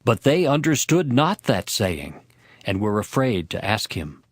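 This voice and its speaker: Expressive male scripture narrator. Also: on the low side, husky, no room sound, clean studio sound. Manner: measured, expressive storytelling. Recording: music behind the voice. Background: music.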